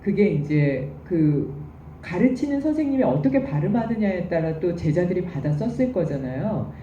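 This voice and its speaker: A woman with a low, very dark and mellow voice lectures patiently, her pitch rising and falling in a lively way. She sounds set back from the mic in an echoey room, and the recording is dull. A faint hiss of room ambience sits behind her. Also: recorded from a distance. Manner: patient explanatory teaching.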